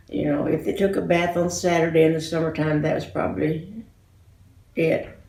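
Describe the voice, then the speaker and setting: A woman with a Southern US accent at a moderate pace, with audible room echo. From US South, rural Arkansas. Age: 80s+. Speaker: interviewee grandmother. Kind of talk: interview, recollections.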